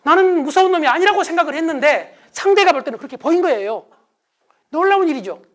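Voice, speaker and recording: A man's voice: extremely high pitch, quick pace. A middle-aged man giving a motivational lecture to an audience, acting out quarrels in a raised voice. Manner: animated, acts out quarrels in raised voice.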